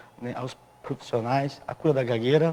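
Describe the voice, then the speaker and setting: Over noticeable background noise, a man speaks at a moderate pace in a medium pitch with fairly even intonation. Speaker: guest who stutters, church youth worker. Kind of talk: tv interview. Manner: halting, repeats words.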